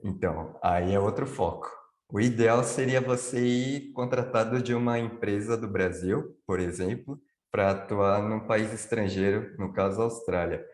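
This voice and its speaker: A man's voice: on the low side, normal speed, reverberant. A man on a video call explaining things at length, answering his own questions as he goes. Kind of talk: live online Q&A chat.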